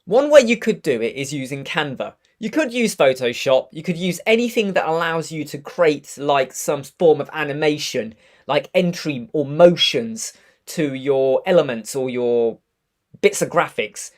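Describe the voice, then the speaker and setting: A man in his thirties with a croaky voice from a cold, chatting upbeat through a live web design tutorial. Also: fairly high pitch, lively intonation, measured pace. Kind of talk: casual live tutorial chat. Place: home studio room with purple lighting.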